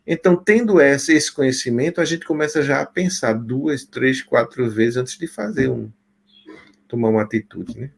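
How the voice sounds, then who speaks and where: A man's voice: mid-range voice, normal speed, creaky. A man, interviewing a guest and summing up her points attentively. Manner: attentive, sums up the guest's points with short affirmations. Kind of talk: casual conversational interview.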